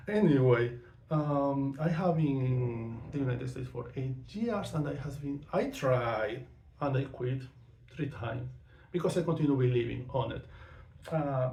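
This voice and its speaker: A man from Venezuela speaks English with a Venezuelan accent, his voice gravelly and mellow yet a bit high. He talks in a frank, outspoken way, with plenty of fillers. The recording has an echoey room sound. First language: not English or Spanish. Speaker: vlogger. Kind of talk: casual personal monologue.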